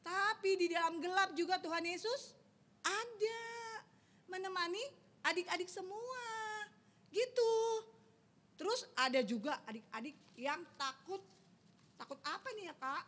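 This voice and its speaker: Bright high-voiced Sunday school teacher. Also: female voice, unhurried. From Indonesia. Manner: lively, keeps quizzing the children. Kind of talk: storytelling sermon for children.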